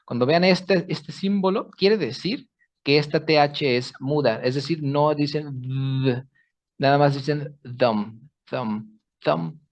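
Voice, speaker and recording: A man's voice: a little high, a little slow. A man teaching pronunciation in an online class, explaining patiently step by step and checking in with his students. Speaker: English teacher.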